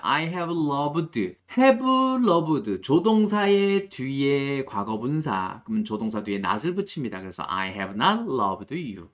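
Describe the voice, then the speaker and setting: A man teaching an English grammar lesson, reading example sentences slowly and asking rhetorical questions to the learner. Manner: slow, drilled example sentences, lively pitch.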